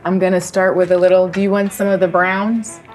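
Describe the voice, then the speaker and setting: A woman's voice: lowish voice, level tone, darkish tone, soft background music. A woman hosting an interview, upbeat and bubbly as she asks her questions. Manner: upbeat, bubbly, quick to laugh. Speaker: host, interviewer. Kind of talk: casual interview chat.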